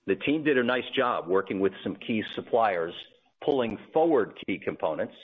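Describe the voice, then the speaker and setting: A man speaking as a company executive, answering analysts on an earnings call with emphatic corporate phrasing. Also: medium pitch. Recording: tinny phone-line conference call.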